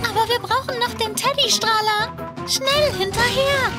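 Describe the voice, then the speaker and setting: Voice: extremely high pitch, normal speed. A performer voicing a plucky, cheerful five-year-old girl in a children's cartoon dub. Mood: determined. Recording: loud music behind the voice.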